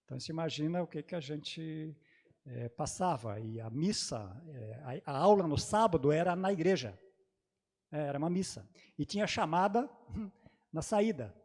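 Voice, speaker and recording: Male panelist, native German-dialect speaker, hesitant reminiscing delivery, slightly high voice. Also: animated, darkish tone, slightly rough. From Brazil, grew up in Santa Catarina. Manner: halting, many hesitations and restarts. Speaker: panelist at a theology congress. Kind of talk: personal recollection in a panel talk.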